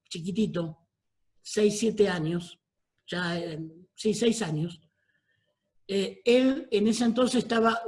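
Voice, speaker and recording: A man's voice: high-pitched, a little mellow. A middle-aged man with a Rioplatense Spanish accent, a pastor preaching a sermon, telling a personal story and calling out to the congregation for amens.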